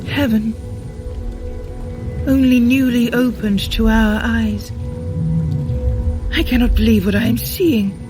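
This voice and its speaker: With music clearly behind her, a grave, observant goddess. Her delivery is very slow, formal and measured, regal in the manner of a fantasy audio drama. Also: a little high, fairly even intonation. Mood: troubled, awed.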